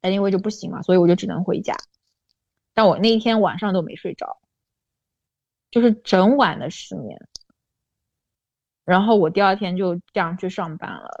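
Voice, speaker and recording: A young adult woman shares a personal story as a podcast guest, frequently asking "you know?" and slipping English words into her speech. Her mid-range voice has a darkish tone, captured with no echo in a dull, dry lo-fi recording.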